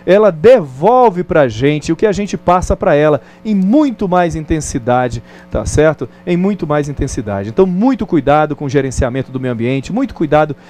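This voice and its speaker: A man's voice: fairly high pitch, lively intonation, normal speed, few pauses, darkish tone. A man with a Brazilian Portuguese accent teaching a recorded distance-learning lesson in a conversational way, often checking in with the viewer.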